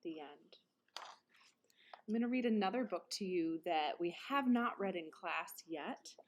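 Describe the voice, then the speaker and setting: A woman's voice: fairly low pitch, animated, a little slow. A woman reading picture books aloud as a teacher would to her class. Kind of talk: children's story read-aloud.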